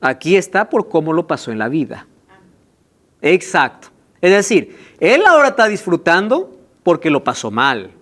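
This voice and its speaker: A man's voice: a little high, big pitch swings, moderate pace, a bit bright. A male pastor preaching a sermon and reading Bible passages aloud, stressing key words by drawing them out.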